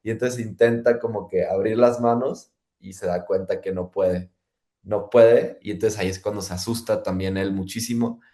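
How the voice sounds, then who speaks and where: A man's voice: on the low side, brisk. Young man telling a story. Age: young adult. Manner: lively retelling, acts out dialogue, frequent fillers. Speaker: testimony speaker. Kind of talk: personal testimony storytelling.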